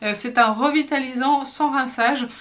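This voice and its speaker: A woman's voice: high-pitched, steady tone, moderate pace, fairly bright tone. Woman, 30s, casual beauty vlogger; chatty, self-mocking, raised voice. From France. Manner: chatty and self-teasing, many fillers and restarts. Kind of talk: casual product review vlog.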